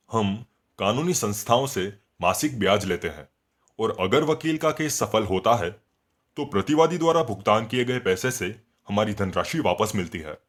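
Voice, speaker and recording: A man reads a scripted corporate explainer in a measured, explanatory way. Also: medium pitch. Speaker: voice-over narrator.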